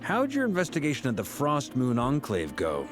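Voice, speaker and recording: An actor playing a jovial, folksy, easygoing middle-aged knight commander in a video game. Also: male voice, mid-range voice, huge pitch swings, normal speed, over music.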